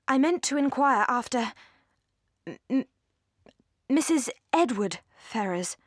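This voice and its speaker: A woman playing a restrained young Regency gentlewoman in an audiobook, speaking carefully and politely. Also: high-pitched, lively intonation, takes it slowly, dry recording, clean studio sound, full character voice. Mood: nervous, faltering.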